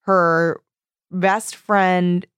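A woman's voice: lowish voice, little pitch movement, very slow, a bit bright, smooth, no room sound, clean studio sound. A woman casually discussing books as a co-host, informal and slangy, often acting out reactions with "like". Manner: informal, slangy, peppered with 'like' and quoted reactions. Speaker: book discussion show co-host.

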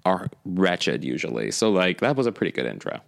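A man's voice: low voice, very animated, fairly quick, gravelly. A man from St. Louis, a comedian, talking in a rambling, blunt, profane way, often cutting himself off mid-sentence. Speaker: comedian, podcast guest. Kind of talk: casual podcast chat.

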